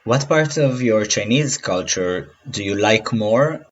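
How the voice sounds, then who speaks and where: A man's voice: fairly low pitch, lively intonation, slow. A man hosting a podcast interview, asking friendly short questions. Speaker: podcast host and Hebrew teacher. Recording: dull lo-fi sound.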